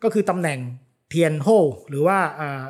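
A man hosting a casual talk show, explaining at length with frequent fillers and repeated agreement. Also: fairly high pitch. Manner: fast, explains with many "ah" fillers and repeated "yes yes". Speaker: podcast host, philosophy lecturer.

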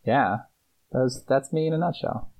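A man from the United States speaks as a guest in a relaxed interview. He rambles and often restarts his sentences while he talks about himself. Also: mid-range voice, measured pace. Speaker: guest, improv teacher. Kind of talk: casual interview.

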